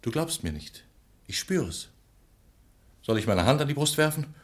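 An actor playing a passionate, pleading lover in an old German radio play, with a dramatic, emphatic manner. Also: male voice, mid-range voice, very animated, normal speed, natural voice. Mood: tender, earnest. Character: passionate male lover, pleading, theatrical, vowing loyalty. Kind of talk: mid-century German radio play acting.

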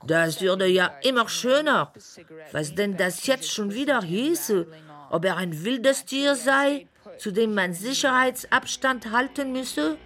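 Eine Schauspielerin spielt in einem Hörspiel eine trockene, spöttische Erzählerin einer Konzertnacht. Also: female voice, fairly high pitch, expressive, takes it slowly, fairly bright tone. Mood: wry, dry. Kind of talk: radio play narration and singing over music. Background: guitar music.

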